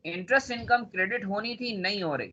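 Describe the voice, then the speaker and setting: High, bright-voiced man teaching accounting. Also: a little fast, a little hiss or hum, rough recording. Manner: teasing, drills students with repeated questions. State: sore throat. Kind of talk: classroom lecture with questions to students.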